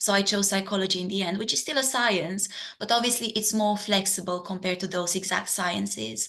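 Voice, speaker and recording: Speaking with a Romanian accent, a woman keeps a fairly quick pace and fairly even intonation. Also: medium pitch for a woman. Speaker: trainee clinical psychologist. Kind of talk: interview.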